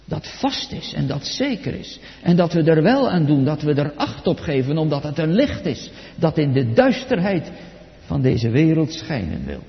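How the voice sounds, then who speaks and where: A man preaching a solemn, emphatic sermon to his congregation in church, stressing words slowly and deliberately. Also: a little high, big pitch swings. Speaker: pastor. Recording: dull lo-fi church recording with long reverb.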